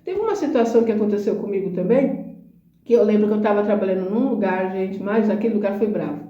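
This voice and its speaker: A woman's voice: medium pitch, quick pace, reverberant, highs cut off. A woman giving a conversational sermon, speaking earnestly and emphatically and often asking rhetorical questions. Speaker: Christian speaker.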